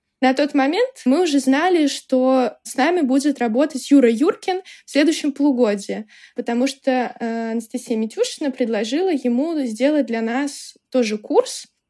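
A woman's high-pitched voice with a dark, mellow tone, ordinary pitch variation and a moderate pace, on a very clean recording with a silent background. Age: young. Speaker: art history student, former museum youth program member. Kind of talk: podcast interview.

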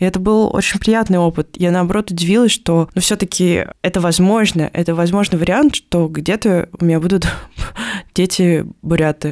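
A woman speaks in an unremarkable speaking voice at a fairly low pitch and a moderate pace. Her intonation is fairly even, and the sound is dry and close with no echo. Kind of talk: casual chat.

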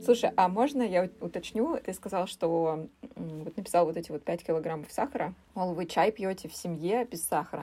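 The voice has a dark, mellow tone with ordinary pitch variation. The recording is very clean, with a silent background. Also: woman. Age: 20s. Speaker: podcast host. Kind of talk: casual interview.

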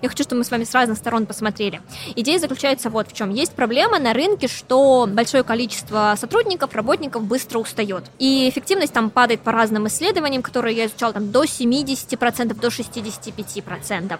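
A woman talks at a fairly quick pace in a high voice. There is noticeable background noise. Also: ordinary pitch variation. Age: 20s. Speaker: startup founder. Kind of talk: business pitch. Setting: restaurant.

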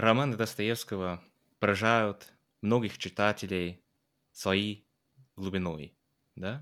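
At a very slow pace with long, frequent pauses, a man speaks in a fairly low voice with fairly even intonation, in a very clean recording with a silent background. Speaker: podcast co-host. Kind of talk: casual podcast chat. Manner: hesitant, many fillers.

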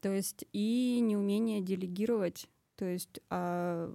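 A woman's dark, mellow tone at medium pitch, fairly even in intonation and very slow in pace. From Russia, Surgut (Khanty-Mansi region). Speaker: entrepreneur, machine embroidery business owner. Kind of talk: interview. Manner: halting.

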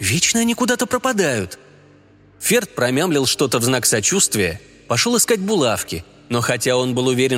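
A man speaks at a moderate pace in an animated tone, his pitch swinging very widely. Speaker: audiobook narrator. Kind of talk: literary audiobook reading, scripted narration of a short story.

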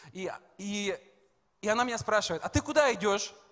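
A man talks in a high, bright, sharp voice with an animated tone. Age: 30s. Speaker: pastor. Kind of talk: sermon. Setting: stage with audience.

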